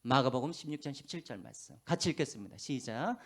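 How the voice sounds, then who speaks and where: A pastor preaching a sermon, telling stories with a lively voice and dropping to quiet asides, with a faint Jeolla accent. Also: male voice, medium pitch, fast talker. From Korea, Gwangju. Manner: animated storytelling, drops to hushed asides. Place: church.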